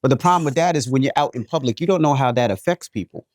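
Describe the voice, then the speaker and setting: A man from New York City co-hosting a podcast, reading a listener's email aloud and then giving his take in a joking, animated way. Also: medium pitch, quick pace, no room sound, studio quality. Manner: animated, jokey, repeats himself. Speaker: podcast co-host.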